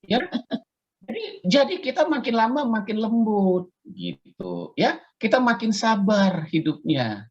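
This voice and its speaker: A man in his fifties delivers a conversational sermon, pausing often to ask his listeners to respond. His voice is slightly husky. The sound is dull and lo-fi, the way audio comes through an online meeting. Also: sits high, sing-song. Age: 50s. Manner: conversational, chatty preaching with audience call-and-response. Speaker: pastor.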